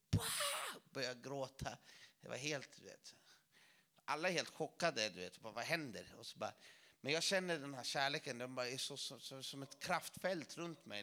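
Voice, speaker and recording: A man preaching to a church audience, telling a testimony story in a lively way with self-mocking jokes. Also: mid-range voice.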